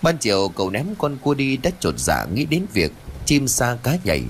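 A man narrating a ghost story in an animated, dramatic storytelling manner. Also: mid-range voice, moderate pace, slight background noise.

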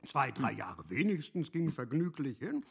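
An actor playing a witty, mischievous, worldly aristocrat telling stories with animated amusement in a German radio drama. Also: male voice, medium pitch, moderate pace, vocal fry, husky, exaggerated voice. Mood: amused, teasing.

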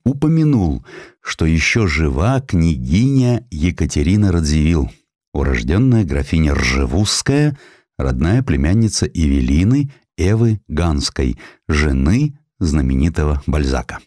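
A man narrating a historical literary audiobook in a measured, expressive, dramatic storytelling manner. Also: a bass voice, no echo, studio quality.

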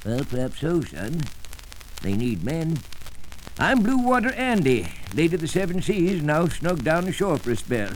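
A man's voice: fairly high pitch, big pitch swings, unhurried, slight background noise, low-quality recording. A man playing a salty old sea dog. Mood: jovial. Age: older. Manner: salty seafaring dialect, chuckling. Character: old white-bearded sailor, hearty salty sea dog. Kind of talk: 1940s radio acting.

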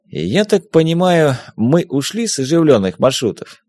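Played by a man, a blunt former officer who speaks curtly and can turn quietly threatening. The voice moves with wide pitch swings, and the sound is dry and close. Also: big pitch swings, normal speed, dry recording. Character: tough male former army officer, cool and blunt.

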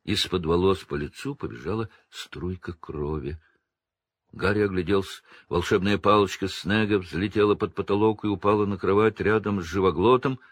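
Deep, husky man reading a story. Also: moderate pace, no echo. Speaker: reader. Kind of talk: audiobook narration.

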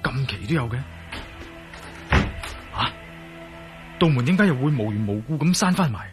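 A man's voice: mid-range voice, expressive, moderate pace, over music, close to an everyday voice. An actor in a Cantonese radio drama playing a wry, level-headed adventurer who mutters his thoughts aloud, with a Cantonese accent. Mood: musing. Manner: wry, muttering inner monologue. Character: wry, cool-headed male adventurer hero. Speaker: lead and narrator of his own thoughts.

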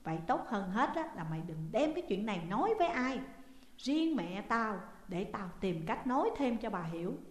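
A woman's voice: fairly high pitch, sing-song, normal speed. A woman putting on a defiant lovestruck young woman. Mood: resolute. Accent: Southern Vietnamese. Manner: blunt, defiant. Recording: echoey room with long reverb.

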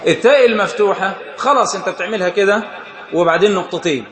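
High-voiced Egyptian sheikh in an echoey room. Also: male voice, fast talker, a bit bright. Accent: Egyptian Arabic. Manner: questioning the audience, laughing often. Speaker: sheikh teaching a religious study circle. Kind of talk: informal religious lesson.

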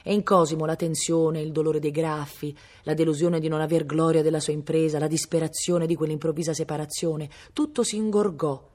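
A woman from Italy with a low voice reads a novel aloud for a public library. She tells the story with feeling, slowing for tense moments and jumping high and loud for the characters' shouts. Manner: expressive storytelling, raising pitch and volume sharply for quoted shouts; slows down on tense moments, hisses the cat's sounds. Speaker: volunteer reader for a public library.

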